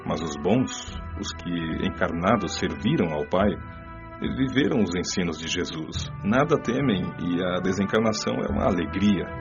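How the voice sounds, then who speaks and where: A man playing a patient, wise male spirit mentor who explains things in a calm, preaching tone. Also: low voice, moderate pace, dull audio, music in the background. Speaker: teacher figure. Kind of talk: radio drama acting.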